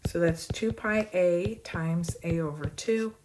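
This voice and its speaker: A woman math professor losing her voice, hoarse but brisk and bubbly as she rushes through exam solutions with playful asides. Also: lowish voice, background noise. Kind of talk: fast exam walkthrough.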